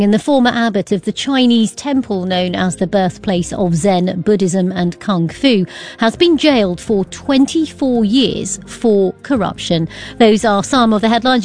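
A woman presenting live radio news from a broadcast studio, reading headlines and chatting with a correspondent in a measured, crisp newsreader manner. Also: mid-range voice, animated, darkish tone, soft background music. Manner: crisp measured newsreader delivery with light laughter in chat. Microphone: studio microphone.

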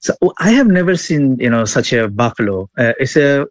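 A man from Bangladesh, a journalist joining a news programme live, speaking hesitantly with many pauses and restarts. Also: mid-range voice, sing-song, dry recording. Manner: hesitant with frequent uh fillers and restarts. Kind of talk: live remote news interview.

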